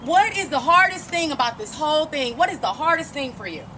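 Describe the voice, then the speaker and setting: A woman's voice: high-pitched, lively intonation, brisk, bright, forceful tone, a little hiss or hum, poor audio. A woman coach interviewing and giving an emphatic, encouraging pep talk, repeating phrases for emphasis.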